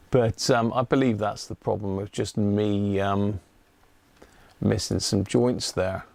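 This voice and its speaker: A man's voice: fairly low pitch, steady tone, slow, creaky, pauses often, darkish tone, no echo. A man giving casual live commentary as he does electronics repair, chatting and half muttering to himself while he works.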